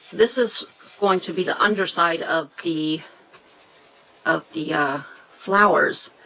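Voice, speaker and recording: A woman hosting a casual craft tutorial, chatty and hesitant, often pausing to search for words. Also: low-pitched, a bit bright, slight background noise, rough recording. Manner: chatty, self-deprecating about pronunciation.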